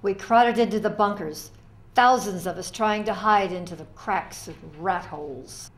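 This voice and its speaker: A woman's voice: mid-range voice, normal speed, close to an everyday voice. An older woman in a dramatic reading, playing a somber ghetto survivor. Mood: distressed.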